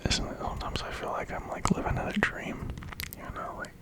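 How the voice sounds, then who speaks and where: A person speaking in a breathy ASMR whisper, rambling casually and reflectively with a hesitant manner. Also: fairly quick. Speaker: ASMR creator.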